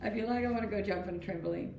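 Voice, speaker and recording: Creaky-voiced Danish woman streamer. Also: mid-range voice, racing, darkish tone, roomy sound, slight background noise, rough recording. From Denmark. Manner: chatty, laughs easily. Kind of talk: casual chat reading viewer questions. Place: rented house, indoors.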